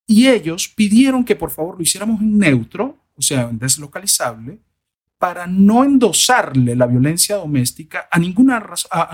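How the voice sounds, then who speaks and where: A man answering interview questions on diction and accents in a lively, rambling way. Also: high-pitched, slightly rough. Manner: animated, discursive, frequent "o sea" asides. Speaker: guest, voice and diction expert. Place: lives in the United States.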